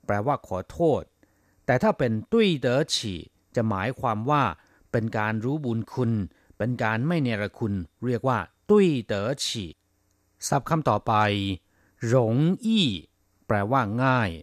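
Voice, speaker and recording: A man teaches vocabulary on a radio program. His voice is mid-pitched and dry, as if recorded close to the mic in a dead studio. He reads each example phrase with a lift, then explains it. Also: very animated, moderate pace, no room sound. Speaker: Chinese language radio teacher. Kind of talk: radio language lesson.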